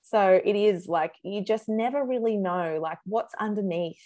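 A mother, answering interview questions in an earnest, animated way with frequent "like"s. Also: mid-range voice, normal speed. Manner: earnest, animated storyteller, says "like" often. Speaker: guest, mother.

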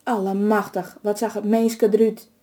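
Dark-toned woman telling a folk tale. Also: mid-range voice, little pitch movement, normal speed. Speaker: storyteller. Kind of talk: reading a folk tale aloud.

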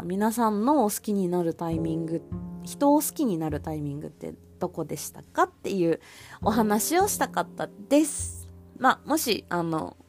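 A woman with a lowish, dark-toned voice hosts her own podcast solo. She rambles casually and chattily, filling her talk with plenty of fillers.

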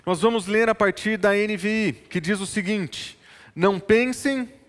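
A man's voice: high-pitched, a little slow, fairly bright tone. Preaching man in a reverberant church. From northern Brazil. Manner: storytelling, rising to emphatic preaching. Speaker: pastor. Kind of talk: sermon.

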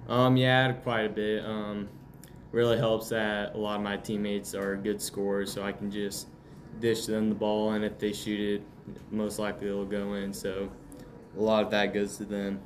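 Teen male, fairly low pitch, monotone, understated casual interview answers. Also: normal speed, a little hiss or hum. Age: teens. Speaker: high school athlete interviewed.

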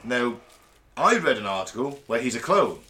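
A man's voice: medium pitch, moderate pace. A British man co-hosting a podcast, chatting casually and comically, swearing and laughing while reading out news stories. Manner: animated, sweary, laughs often, reads news aloud. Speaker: podcast co-host. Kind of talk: casual comedic chat.

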